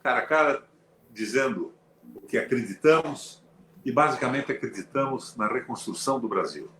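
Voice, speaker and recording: A man's voice: mid-range voice, moderate pace, a little hiss or hum. An older Brazilian man, a former senator, talking politics in an emphatic, sarcastic way. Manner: emphatic, animated, with sarcastic asides. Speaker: former senator, show host. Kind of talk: political conversation. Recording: echoey room.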